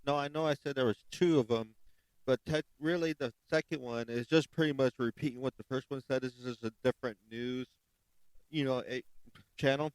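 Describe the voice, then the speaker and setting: A man's voice: medium pitch, steady tone, dry recording, poor audio. A man from Chicago hosting a casual true crime podcast, rambling and correcting himself as he goes. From Chicago, United States. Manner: rambling, self-correcting, spells things out slowly. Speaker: podcast host.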